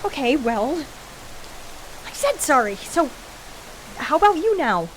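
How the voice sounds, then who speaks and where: Woman playing a high-voiced, snarky young woman. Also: sing-song, slow pace, full character voice, poor audio. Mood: sarcastic, irritated. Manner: sarcastic, exasperated. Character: snarky, resentful young woman, a former bully. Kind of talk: horror radio play acting. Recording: clear rainy background noise.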